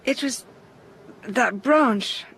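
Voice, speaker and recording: A woman's voice: fairly high pitch, extremely slow, fairly bright tone, a little hiss or hum, full character voice, rough recording. An actress playing a genteel, lonely and insistent lady of the house in a radio horror play, with a hesitant, theatrical manner. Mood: shaken, insistent.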